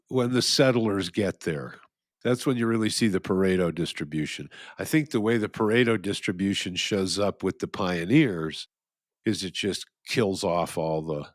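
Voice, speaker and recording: A man's voice: on the low side, no room sound. Dry-sounding rambling male podcast co-host. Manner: rambling, restarts often, laughs at own jokes. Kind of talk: casual philosophical chat.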